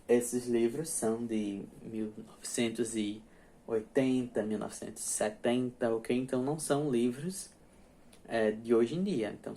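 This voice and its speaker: A man's voice: mid-range voice, darkish tone. Chatty man teaching grammar. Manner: chatty, many restarts and checks like "ok?" and "tá?". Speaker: English teacher. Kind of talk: casual spoken grammar lesson.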